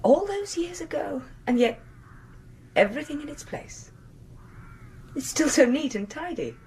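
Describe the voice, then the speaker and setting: An actress playing a curious, persistent, genteel mistress of a house in a radio drama, questioning and dramatic in manner. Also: female voice, high-pitched, sing-song, a little slow, a little mellow. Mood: intrigued, probing.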